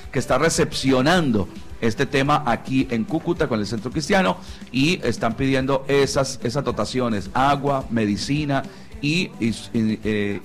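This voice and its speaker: A Colombian man hosting a live Christian radio talk show, conversational, often repeating himself as he searches for words. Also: medium pitch.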